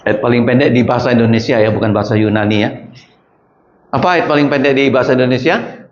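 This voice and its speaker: A man gives an interactive sermon at an everyday pitch, questioning his listeners and calling on them by name. His colloquial delivery swings between loud emphasis and quiet asides. The recording is dull and lo-fi, with a roomy echo. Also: fast, a little hiss or hum. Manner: colloquial, rising and falling emphasis. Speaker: preacher teaching a class. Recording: echoey room, dull lo-fi sound.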